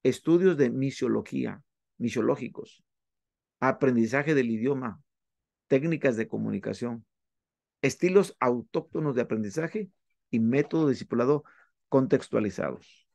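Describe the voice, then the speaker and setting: Gravelly man giving a methodical lecture. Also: medium pitch, a little mellow, no echo. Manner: methodical, lists items one by one with pauses. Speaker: instructor. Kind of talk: classroom lecture on church planting.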